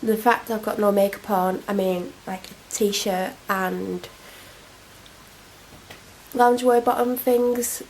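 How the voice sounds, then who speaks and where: A woman's voice: mid-range voice, fairly even intonation, takes it slowly, pauses often, darkish tone, slight background noise, poor audio. A young woman with a cold, chatting and rambling to camera at home in a casual vlog. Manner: rambling, self-deprecating, chatty. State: congested, snotty from a cold. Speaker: vlogger. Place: at home, indoors. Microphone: camera mic.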